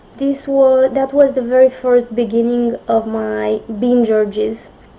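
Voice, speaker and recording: Against noticeable background noise, a woman with a non-native accent talks at a very slow pace and high pitch, her intonation fairly even. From Romania, Bucharest. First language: Romanian. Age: 20s. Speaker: vlogger sharing eating disorder story. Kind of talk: personal testimony vlog. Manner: halting, with fillers and repeats.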